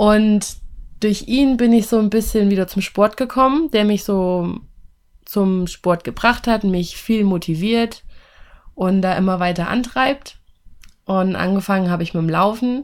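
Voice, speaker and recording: A woman talks at a fairly slow pace with ordinary pitch variation. Her speech has long, frequent pauses. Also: medium pitch for a woman, very clean recording, silent background. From Rhön region, Hesse, Germany. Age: 20s. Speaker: co-host, trainee educator. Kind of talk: casual chat. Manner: hesitant, many fillers and laughs.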